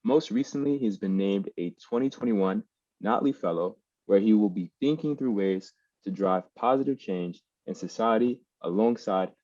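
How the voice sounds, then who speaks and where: A man hosting a podcast, reading out a guest introduction in a measured, formal way. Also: mellow, no echo. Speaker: podcast host. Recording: dull, dry, low-fidelity.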